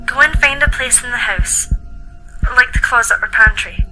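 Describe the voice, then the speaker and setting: High-voiced motherly dispatcher woman, acted. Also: moderate pace, over music, close to an everyday voice, rough recording. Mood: calm, urgent. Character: calm motherly woman, reassuring emergency dispatcher. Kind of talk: amateur audio drama acting.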